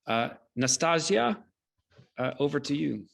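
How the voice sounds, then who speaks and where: A man's voice: a little high, very animated, unhurried, gravelly. A man moderating a thoughtful discussion over a video call. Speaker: moderator and translator.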